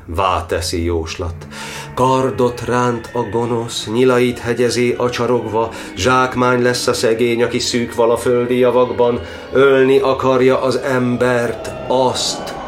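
An actor playing a persecuted, devout Catholic cardinal in prison, delivering a solemn poetic monologue in a declamatory liturgical manner for an audio drama. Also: male voice, medium pitch, steady tone, faint music behind, lightly acted. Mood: grave. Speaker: actor in a monodrama.

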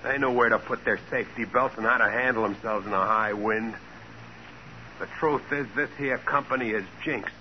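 Through a dull, faintly noisy old radio recording comes a stubborn American window washer played by a man. He is a tough, blunt working guy with the jitters, mid-pitched, in 1940s drama style. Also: normal speed, natural voice. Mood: agitated, stubborn.

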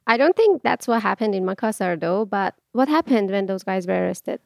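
A woman's voice: mid-range voice, animated, a little fast, vocal fry, a little mellow, no echo. Woman, podcast host, conversational, questioning.

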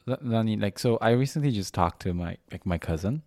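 Deep-voiced Malaysian man, rambling chat. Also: animated, fairly quick, warm tone, no room sound. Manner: rambling, many restarts and "like"s. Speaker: podcast host. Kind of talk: casual chat.

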